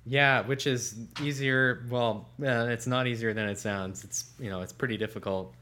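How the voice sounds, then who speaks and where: A man co-hosting a casual tech podcast as a smartphone editor, relaxed and trailing off quietly at the ends of phrases. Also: mid-range voice, moderate pace. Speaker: senior smartphone editor, co-host.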